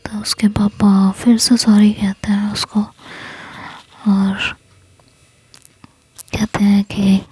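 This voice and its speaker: A woman's voice: mid-range voice, little pitch movement, slow pace, pauses often, a little mellow, husky. A woman whispering as she narrates a story.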